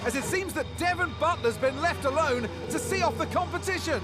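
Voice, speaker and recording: A man commentating a race in excited play-by-play, shouting at the action. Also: very high voice, a little fast, loud music behind the voice.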